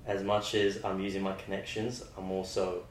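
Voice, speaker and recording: A young man hosting a podcast, his voice very deep and held to a flat, narrow range. He rambles in a friendly way, restarting his sentences often. The recording has a roomy echo with faint noise behind it. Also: moderate pace. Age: 20s. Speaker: podcast host. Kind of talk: casual interview chat.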